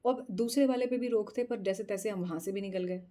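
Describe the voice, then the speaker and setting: Warm-voiced woman telling a lively story. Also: mid-range voice, brisk. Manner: animated, laughs often while retelling; mixes English phrases into speech. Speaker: tarot channel host. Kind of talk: casual travel storytelling.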